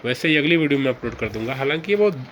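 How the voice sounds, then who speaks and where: A man's voice: medium pitch, lively intonation, very fast, fairly bright tone, dull audio. A young man teaching an exam-prep grammar lesson, explaining step by step, asking questions and answering them himself, mixing English terms into his talk. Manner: mixes English terms into Hindi. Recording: faint background noise.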